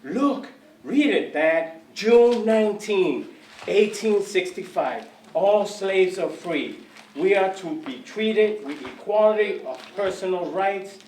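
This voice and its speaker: A man's voice: sits high, expressive, takes it slowly, darkish tone, a little hiss or hum, voice pushed up. A man voicing a hopeful young boy with emphatic, rising outbursts in a spoken word poem. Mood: pleading. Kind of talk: spoken word poetry performance. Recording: echoey room, mic from far off.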